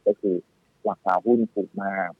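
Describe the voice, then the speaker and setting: A man giving casual, animated stock-market talk as a guest analyst, with many restarts and fillers. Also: normal speed, dry recording. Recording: tinny phone-line audio, faint music.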